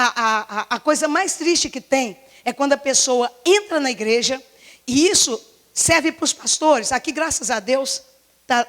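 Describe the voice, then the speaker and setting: High-voiced Brazilian woman pastor preaching. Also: fairly bright tone. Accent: Brazilian Portuguese. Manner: impassioned, repetitive, many rhetorical questions. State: slightly hoarse. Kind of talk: fervent church sermon. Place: church service.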